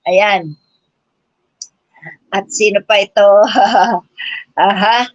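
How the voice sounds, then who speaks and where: A woman's voice: mid-range voice, fairly even intonation, extremely slow, dry recording. An older woman livestreaming a combative, mocking rant, cursing often, laughing, and calling her viewers brothers and sisters. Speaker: political livestream vlogger. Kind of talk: live-stream rant. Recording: dull lo-fi stream audio.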